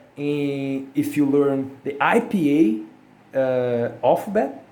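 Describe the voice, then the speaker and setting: In a Brazilian accent, a man talks at a very slow pace with a fairly high pitch, a dark, mellow tone and ordinary pitch variation, with audible room echo around him. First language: Portuguese. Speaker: language learning youtuber. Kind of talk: tutorial. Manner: halting, many fillers and repetitions; unscripted, off the cuff.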